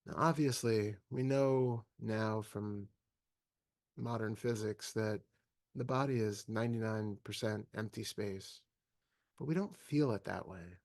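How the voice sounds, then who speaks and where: A man with a fairly low voice guides a meditation. He speaks calmly and deliberately, leaving long pauses between measured phrases. The sound is dry, with very little room around the voice. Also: no room sound. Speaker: meditation teacher.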